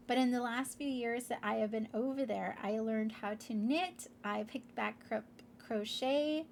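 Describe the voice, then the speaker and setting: A woman's voice: fairly high pitch, a little hiss or hum. A woman hosting her crafting vlog in a casual, rambling way, congested and a bit nasal. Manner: rambling, with many fillers. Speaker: crafting channel host.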